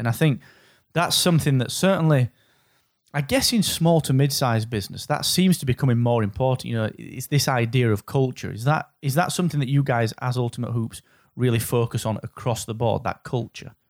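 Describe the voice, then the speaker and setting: In a very clean recording with a silent background and a dry, close sound free of echo, a man with a northern English accent speaks with ordinary pitch variation. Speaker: podcast host. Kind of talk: interview.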